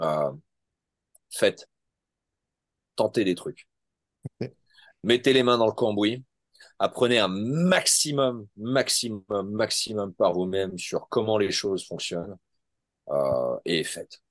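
With lively intonation and a fairly low pitch, a man talks at a very slow pace with long, frequent pauses, in a dry, close sound with no echo. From France. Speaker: metal band vocalist. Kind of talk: interview.

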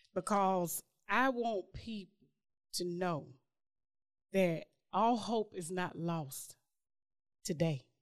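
Speaking very slowly with long, frequent pauses, a woman with a Southern US accent uses a medium pitch and ordinary pitch variation. The recording is very clean, with a silent background. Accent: Southern US (Georgia). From Columbus, Georgia, US South. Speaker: sheriff's office clerk and gospel vlogger. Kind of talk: casual chat. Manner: relaxing.

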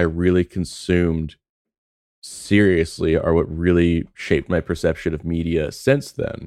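In a very clean recording with a silent background, a man speaks in a very deep, low voice. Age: 20s. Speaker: artist and streamer. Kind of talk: interview monologue. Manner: halting.

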